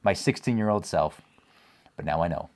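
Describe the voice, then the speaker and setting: A man's voice: low voice, moderate pace, a little mellow. A man with an American accent chatting casually as a co-host, playfully joking and repeating his phrases. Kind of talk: casual chat.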